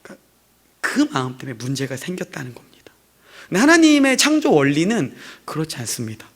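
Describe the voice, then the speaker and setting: A man's voice: on the high side, huge pitch swings, a little fast, a bit bright. A man preaching a sermon as a pastor to his congregation in church, in a conversational way with rhetorical questions. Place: church sanctuary.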